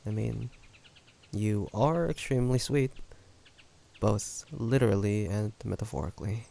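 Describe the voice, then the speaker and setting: A man voicing a brooding, gentle ancient vampire in an intimate audio roleplay, speaking haltingly and pensively. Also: on the low side, creaky. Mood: tender. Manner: halting, soft-spoken, pensive with sighs.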